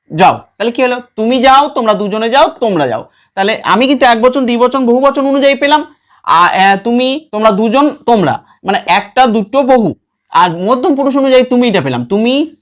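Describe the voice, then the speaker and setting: A man teaching a lesson. He patiently recites verb forms over and over in a slow chant and keeps checking that students follow. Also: high-pitched, a bit bright. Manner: checks in with listeners often. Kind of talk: classroom lesson with recitation drills.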